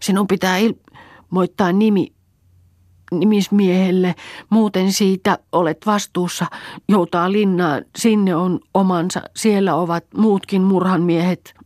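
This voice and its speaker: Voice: mid-range voice, expressive, few pauses, no echo, clean studio sound, voice pushed up, natural voice. A reader doing a groaning, vindictive old peasant woman. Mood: vengeful. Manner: moaning cries broken up by gasps. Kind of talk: audiobook character voice.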